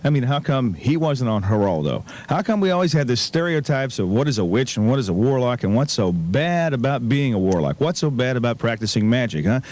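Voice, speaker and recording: Fast-talking male morning radio host. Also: medium pitch, a little mellow. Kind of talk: morning zoo radio chat and live ad reads. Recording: radio aircheck with music behind.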